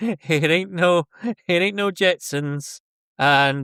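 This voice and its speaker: A man speaks with a slight Scottish accent and lively intonation. His tone is bright and sharp, and the sound is dry and close with no echo. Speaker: podcast guest. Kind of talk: casual chat.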